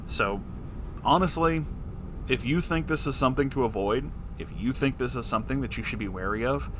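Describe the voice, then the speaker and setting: On his letter-reading show, a man reads out listeners' letters with expressive flair and answers them with dry, chatty advice. He speaks in a mid-range voice, theatrical and full of wry asides, over a noisy background.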